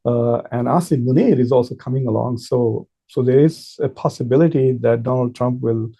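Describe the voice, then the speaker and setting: A man speaks as an informal commentator, laying out his argument step by step with emphasis. His voice is very dark and mellow, with a husky grain and plenty of gravelly creak. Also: medium pitch, moderate pace. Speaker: political commentator and professor. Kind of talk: informal political commentary to camera.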